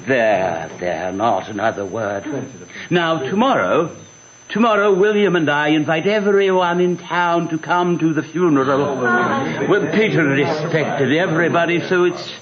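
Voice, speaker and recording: An actor playing a sly, oily swindler in an old radio drama, with a grandiose, folksy, mock-solemn drawl. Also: male voice, fairly high pitch, unhurried, natural voice. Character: sly, oily male swindler posing as grieving English brother. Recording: dull old radio recording, audience noise.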